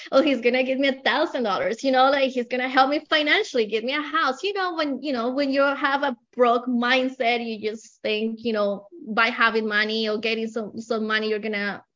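A woman's voice: a little high, normal speed, few pauses, a bit bright, lo-fi sound. A woman from Colombia with a Colombian Spanish accent, a native Spanish speaker telling her life story as an interview guest. She speaks energetically and emphatically, often using "you know".

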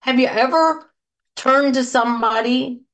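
A woman's voice: sits high, unhurried, fairly bright tone, low-quality recording. A woman in her fifties hosting a solo podcast, talking casually and encouragingly, rambling through anecdotes and asides to her listeners. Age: 50s. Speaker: podcast host and coach.

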